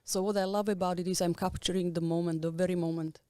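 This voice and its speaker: Guest spot: self-assured woman from Slovakia, lowish voice, dry close sound, laughs often. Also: flat delivery, fast talker, mellow, clean tone, no echo. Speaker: tattoo artist guest. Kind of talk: casual interview talk.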